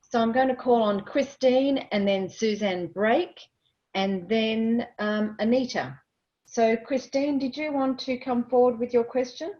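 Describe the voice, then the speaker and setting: A woman moderating a virtual town hall, brisk and conversational. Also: on the high side, warm tone. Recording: dull lo-fi audio.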